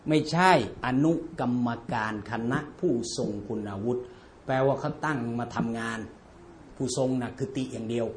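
A man's voice: medium pitch, slight background noise. A man giving an informal religious lecture, joking bluntly in everyday speech and chanting Arabic passages.

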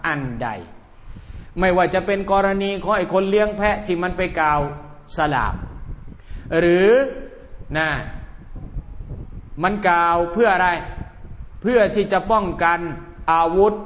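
A man's voice: sits high, fairly even intonation, measured pace, pauses often, fairly bright tone, in a large hall. A man giving a religious lecture, blunt and colloquial, often calling his listeners brothers. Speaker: Islamic religious teacher.

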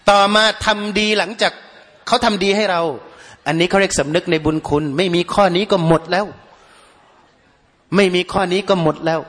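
A man preaches a sermon, his voice sitting high. He speaks earnestly, often repeating his points for emphasis. His words ring out with a long reverb, as if in a large hall. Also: fairly bright tone. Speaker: Muslim preacher.

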